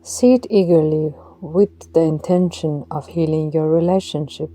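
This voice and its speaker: A woman leading a guided meditation in a slow, soft voice, some words dropping to a breathy whisper. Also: deep voice, fairly even intonation, no echo.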